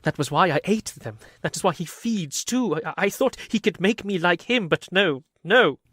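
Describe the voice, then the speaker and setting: A man's voice: sits high, lively intonation, normal speed, a bit bright, breathy edge, dry recording, studio quality, exaggerated voice. An actor playing a guilt-ridden, rambling asylum madman in a community radio play, swinging from mutters to frantic cries. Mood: haunted.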